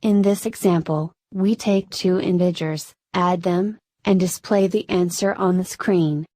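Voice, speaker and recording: Woman tutor, low-pitched and mellow, flat machine-like read, dry booth sound. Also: unhurried, dry recording. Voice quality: flat, synthetic-sounding delivery. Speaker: programming tutor. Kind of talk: scripted tutorial narration.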